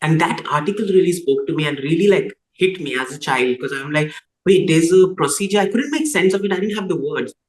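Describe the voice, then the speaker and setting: A young trans woman raised in Dubai tells her personal story as a TV interview guest, speaking reflectively with frequent pauses and restarts. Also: deep voice, animated, reverberant, a little hiss or hum. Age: young adult. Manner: reflective, thoughtful, often pauses and restarts, many "like" and "you know". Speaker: guest, trans writer and content creator.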